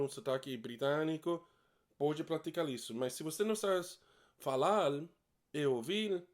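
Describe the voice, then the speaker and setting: Native English-speaking man teaching in Portuguese with an English accent, a bit high-pitched, direct and upbeat, repeats every point in both languages. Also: a little mellow. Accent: English speaker learning Portuguese. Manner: encouraging, direct. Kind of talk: casual bilingual lesson.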